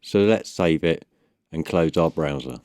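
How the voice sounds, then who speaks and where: A man with a low-pitched voice presents a step-by-step software guide. His delivery is measured and instructional. The sound is dry, with very little room in it. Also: no room sound. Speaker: tutorial presenter. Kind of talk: step-by-step software tutorial voice-over.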